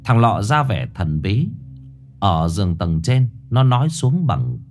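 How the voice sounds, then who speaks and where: A man's voice: lowish voice, big pitch swings, measured pace, darkish tone, soft background music. A man narrating a ghost story in a dramatic, suspenseful way.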